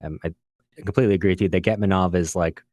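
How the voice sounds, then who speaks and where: A man's voice: low voice, steady tone, very fast, darkish tone. A man co-hosting a podcast in casual book discussion, agreeable and reflective, building his points piece by piece. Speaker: podcast co-host.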